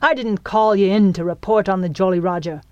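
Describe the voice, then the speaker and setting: A woman's voice: mid-range voice, fairly quick, a little mellow, no room sound, muffled recording, lightly acted. A woman voicing a brooding male pirate captain in a growling, commanding manner for a story. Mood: gruff, commanding.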